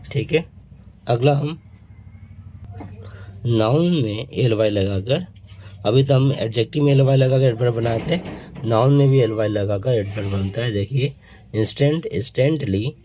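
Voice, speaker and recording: Man, teacher, unhurried delivery, low mellow voice, steps through word lists. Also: a little hiss or hum, poor audio. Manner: slow, listing word pairs one by one. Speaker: English teacher. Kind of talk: explaining word formation to students.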